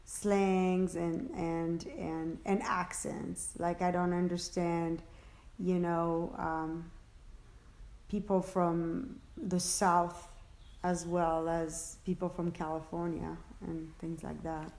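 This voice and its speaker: A woman answering interview questions about her work as an interpreter, halting and searching for words, often restarting. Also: fairly low pitch, level tone, a little mellow. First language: French. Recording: echoey room.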